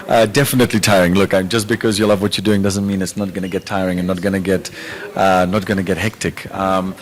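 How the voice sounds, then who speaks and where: A man from the Czech Republic, a music manager, answering interview questions in a relaxed, thoughtful way with frequent fillers. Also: sits low.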